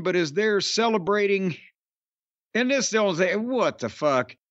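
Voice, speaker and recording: High-voiced, sarcastic older man. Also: a bit bright, no echo. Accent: Southern American. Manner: profane, rambling, sarcastic. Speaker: podcast host. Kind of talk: casual chat and ad read. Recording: dry, slightly dull audio.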